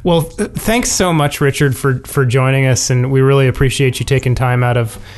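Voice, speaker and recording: An interview host who speaks slowly, laughs along with the guest and thanks him warmly. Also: medium pitch.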